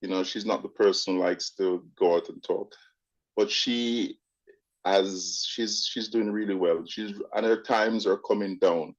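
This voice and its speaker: A man's voice: sits low, fairly even intonation, a little slow, dull audio. Jamaican-British man calling in by phone. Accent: Jamaican with British mix. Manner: chatty, opinionated, stammering restarts. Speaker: caller. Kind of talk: casual call-in chat. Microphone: phone line.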